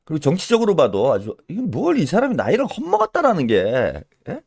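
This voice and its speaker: A man's voice: on the high side, huge pitch swings, fairly quick, gravelly, darkish tone, husky, dry recording, clean studio sound. A man doing solo political commentary in a scolding tone, firing rhetorical questions and tagging them with a pushy "eh?".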